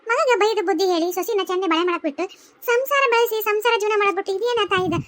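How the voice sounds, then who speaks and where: Brief: woman with North Karnataka accent doing quarrelsome cartoon village voices, high and rapid. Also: fairly bright tone. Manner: bickering, scolding village banter. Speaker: cartoon storyteller voicing all characters. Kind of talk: dialect comedy cartoon voicing.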